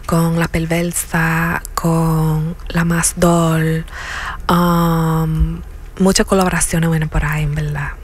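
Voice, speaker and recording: A woman's voice: low voice, level tone, slow. A young woman from New Jersey, chatting as a singer guest in a casual interview, bubbly and mixing in English words. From New Jersey, USA. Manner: bubbly, says "mi amor", mixes English words.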